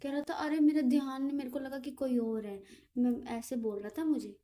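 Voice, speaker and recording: A woman's voice: high voice, fairly even intonation, normal speed, dark tone. A young woman in an intimate relationship conversation, speaking in an apologetic, pleading and hesitant way. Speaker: girlfriend in a relationship call.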